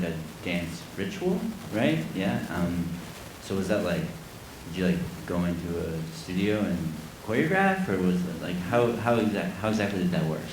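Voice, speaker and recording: A man with a very deep but lively voice asks a question from the audience, hesitating and filling pauses as he goes. The theater around him is echoey, with faint hiss. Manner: hesitant, lots of fillers. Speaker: audience member asking a question.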